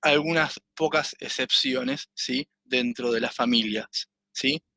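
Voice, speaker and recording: A man with an Argentine Spanish accent teaches an online language class. His voice is bright and forward, and he keeps tagging his phrases with a quick question to the students. A faint hum sits under the recording. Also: medium pitch. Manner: checks in with a constant tag question. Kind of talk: online lecture.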